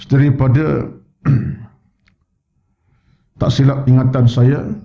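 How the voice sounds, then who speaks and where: A Malaysian Malay man teaches in a mosque, talking at a middle pitch and acting out the voices in his stories. The sound is a bit dull and lo-fi, as if taken from a wireless microphone. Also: level tone, slow, gravelly. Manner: storytelling, acts out quoted voices with rising pitch. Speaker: religious teacher. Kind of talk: mosque lecture.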